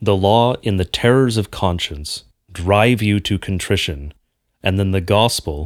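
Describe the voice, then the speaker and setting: With a plain, everyday voice and fairly low pitch, a man talks with ordinary pitch variation in a very clean recording against a silent background. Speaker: podcast host. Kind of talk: religious discussion podcast.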